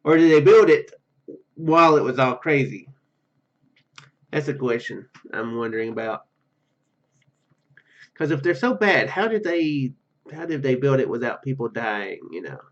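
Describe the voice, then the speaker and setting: A man's voice: mid-range voice, expressive, moderate pace, pauses often, muffled recording. A man hosting a gaming video, reading game narration aloud with casual commentary and stumbling over words as he goes. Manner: stumbles and self-corrects while reading.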